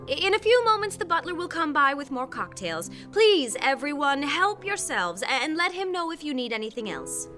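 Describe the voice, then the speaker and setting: An actress playing a genteel, anxious society hostess in an audio drama, gracious and theatrical in manner. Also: female voice, sits high, very animated, moderate pace, few pauses, pushed and bright, faint music behind, exaggerated voice. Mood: brightly gracious.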